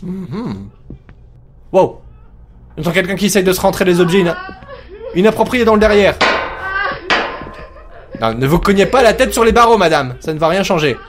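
A man commentating a horror game as he plays it, jokey and excitable, talking to himself. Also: sits high, moderate pace, pauses often, a little hiss or hum. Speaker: let's play host.

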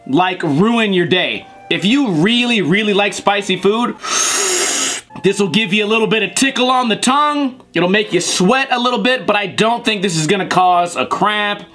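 A man's voice: high-pitched, pushed and bright. A young man hosting a casual food review vlog from his living room couch, blunt and crude with jokey asides, recorded by a tripod camera. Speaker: host.

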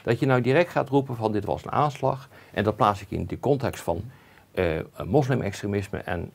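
A man with a low, gravelly voice talks through an interview as a guest expert. He weighs his words slowly, hedging and pausing often as he explains. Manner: measured, cautious explaining with many hesitations. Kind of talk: conversational interview.

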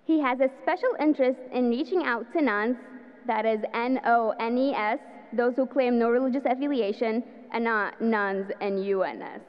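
A young woman, a student, reads a formal introduction of the speaker carefully from a podium. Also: fairly high pitch. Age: young adult. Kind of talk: read-aloud introduction. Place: large indoor arena. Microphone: podium microphone. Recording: dull sound with long hall reverb.

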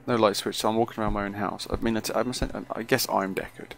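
A man's voice: on the low side, fairly even intonation, fast talker, fairly bright tone. A man giving casual first-impressions commentary on a game, musing aloud hesitantly and often trailing off. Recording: clearly noisy recording.

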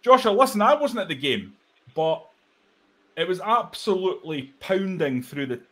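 A man in his thirties, hosting a live football reaction show from home over a video call, excitable and chatty with a croaky voice. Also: high-pitched, moderate pace. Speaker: host. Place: home room, indoors. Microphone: webcam video call.

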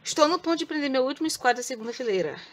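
A woman with a Brazilian Portuguese accent teaching crochet step by step. She speaks softly with a sore throat and counts stitches aloud. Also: high voice, lively intonation, very fast. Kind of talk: step-by-step craft tutorial.

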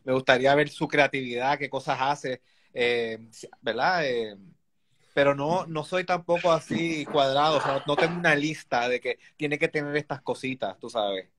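A man in his forties chatting as a guest on a live video call, speaking in a relaxed, thoughtful way with many fillers. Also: mid-range voice, moderate pace. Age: 40s. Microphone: phone camera on a video call.

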